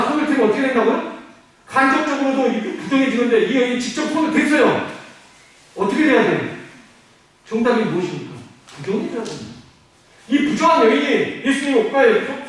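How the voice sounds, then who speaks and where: A man preaching a sermon as pastor, animated, asking the congregation questions and answering them himself. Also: very high-pitched. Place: church sanctuary. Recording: very echoey hall, mic at a distance.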